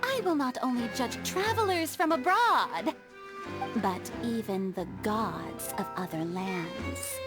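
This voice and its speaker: A woman's voice: fairly high pitch, expressive, slow pace. A woman playing a flamboyant, haughty goddess of justice in a video game, speaking in a grandiose, dramatic manner. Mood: haughty, amused. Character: flamboyant female god of justice, theatrical, haughty. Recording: loud music behind the voice.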